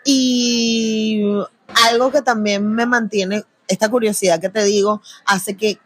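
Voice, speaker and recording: A young adult woman with a Venezuelan Spanish accent, talking casually as an interview guest, chatty and quick to laugh, with slang. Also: a little high, steady tone, fairly bright tone, slight background noise. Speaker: guest, producer and antiracism content creator.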